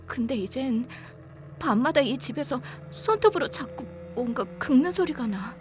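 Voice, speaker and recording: An actress playing an anxious young woman confiding in a friend, in horror audio drama dialogue with a hesitant, halting delivery. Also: sits high, animated. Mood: hesitant, fearful. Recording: background music under the voice.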